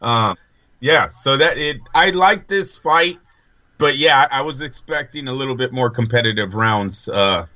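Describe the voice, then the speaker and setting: A man's voice: mid-range voice, lively intonation, a little slow, sharp tone, muffled recording. A man co-hosting a casual podcast chat, laying out his views in a laid-back, analytical way. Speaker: podcast co-host.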